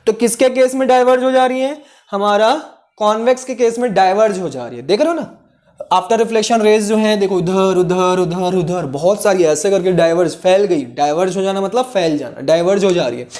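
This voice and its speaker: A man's voice: high-pitched, a little fast, hardly any pauses, darkish tone. A man teaching a physics lesson in Hindi mixed with English, explaining step by step, repeating key phrases and often asking students if they follow. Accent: Indian English terms mixed into Hindi. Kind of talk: classroom lesson.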